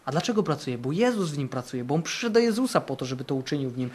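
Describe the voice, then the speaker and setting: A male camp preacher in full sermon mode, his fairly high voice rising for bold declarations and dropping for quiet, earnest passages. He drives points home by repeating key phrases. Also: very animated, racing, husky. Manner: fervent, repeats phrases for emphasis, swings between loud and hushed. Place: camp meeting.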